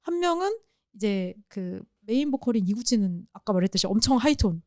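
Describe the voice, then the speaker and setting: A woman co-hosting a casual podcast chat, explaining music in an animated way and sometimes imitating sounds. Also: medium pitch, brisk, dry recording, clean studio sound.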